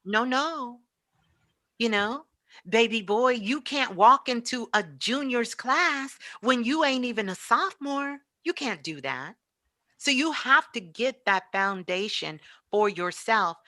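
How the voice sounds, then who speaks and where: A guest spiritual teacher, a woman, delivers a motivational talk in an emphatic, preaching style, repeating phrases for weight. Her slightly high voice is expressive, slow, bright, and forceful.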